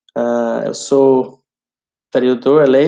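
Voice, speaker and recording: The voice has an English accent and a dark, mellow tone, delivered in a monotone with flat intonation. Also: man. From England. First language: English (speaking Portuguese). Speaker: business consultant and local politician. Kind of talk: presentation. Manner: halting, many fillers.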